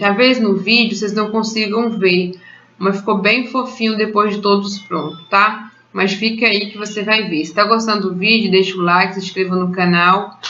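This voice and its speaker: A woman speaks at medium pitch and a moderate pace, with fairly even intonation. Room echo is audible. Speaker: baking channel host. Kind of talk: recipe tutorial voiceover. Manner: casual.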